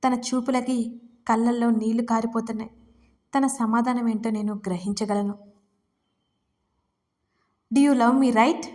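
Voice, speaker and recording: A woman narrating her own story in the first person, reading expressively and with emotion. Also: on the high side. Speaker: writer and narrator.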